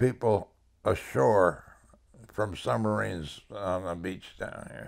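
Against a quiet background, a man speaks at a very slow pace with vocal fry. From New England. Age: 80s+. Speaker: war veteran. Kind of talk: interview. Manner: halting. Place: home room.

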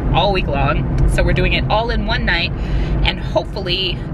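A woman speaks at a moderate pace. The sound is dry with no echo, with loud background noise. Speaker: family vlogger. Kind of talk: casual vlog chat. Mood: excited, a bit hectic. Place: car.

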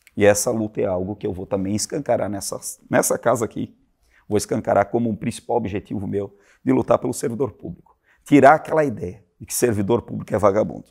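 Against a quiet background, a man talks with ordinary pitch variation and big swings in loudness. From southern Brazil, Santa Catarina (Jaraguá do Sul); Santa Catarina, Brazil. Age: 30s. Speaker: local politician; newly elected councillor. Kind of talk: interview. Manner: halting, many fillers; emphatic, speech-like. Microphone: lapel.

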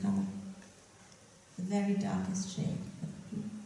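Strong room echo hangs on a woman's voice. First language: not English. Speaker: poet. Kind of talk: poetry reading. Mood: gentle, warm, smiling. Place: stage.

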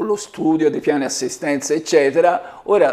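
With a plain, everyday voice, a man talks at a fairly slow pace and a fairly high pitch. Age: 50s. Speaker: rally driver and co-driver. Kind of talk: studio discussion. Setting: TV studio.

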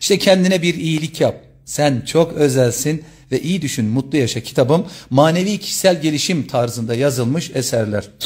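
Somewhat breathy and fairly high in pitch, a man talks at a moderate pace with lively intonation. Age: 50s. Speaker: educator and self-help author; educator. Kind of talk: religious motivational talk on a live stream. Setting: live stream. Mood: warm, earnest, encouraging. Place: home room. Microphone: phone near.

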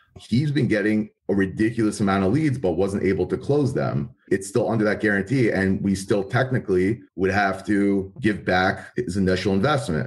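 This man has a New Jersey accent and a fairly low pitch with ordinary pitch variation. His loudness stays very even, and there are hardly any pauses. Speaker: entrepreneur, sales and lead generation expert. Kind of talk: interview answer. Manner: fast-talking.

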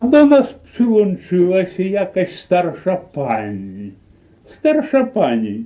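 Delivered in an eastern Polish borderland accent, the speech is very slow and swings very widely in pitch. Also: man, high pitch for a man. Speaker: sculptor and academic teacher. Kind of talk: interview answer, reminiscence.

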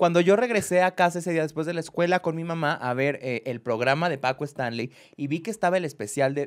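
A man's words come out very fast, his pitch varying in an ordinary way, with the background kept quiet. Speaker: comedian. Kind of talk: casual chat. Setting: studio. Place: studio. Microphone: studio mic.

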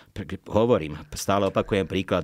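A man speaks at a fairly quick pace in a very deep, low pitch. The sound is dry with no echo, and the background is quiet. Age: 50s. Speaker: former labour minister and tax expert; former labour minister. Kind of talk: interview. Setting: studio. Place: studio. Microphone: studio mic.

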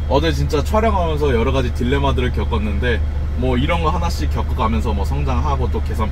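A man's very deep, low voice in a monotone, flat delivery at a fairly quick pace, with music in the background. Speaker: car vlogger. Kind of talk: casual vlog chat. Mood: amused, self-deprecating. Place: car. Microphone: phone near.

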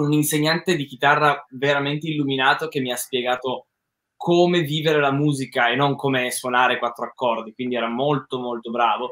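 A man with a bright, sharp tone and a fairly high pitch, at a fairly quick pace with fairly even intonation. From Italy, Turin; Italy. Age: 20s. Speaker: musician and music therapist; guest. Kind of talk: interview conversation. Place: home room. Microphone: webcam.

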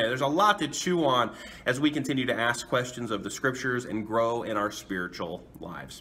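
The intonation is lively. A man delivers it at a fairly quick pace. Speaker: pastor. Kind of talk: welcome announcements, then prayer. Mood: warm, upbeat. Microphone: phone near.

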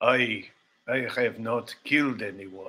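In a put-on character voice with a Russian accent, a man speaks at a medium pitch. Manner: dark, world-weary.

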